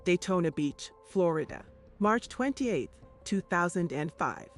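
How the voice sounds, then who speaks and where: A man's voice: high voice, expressive, unhurried, soft background music. A man reading scripted true crime documentary narration in a formal, dramatic storytelling manner.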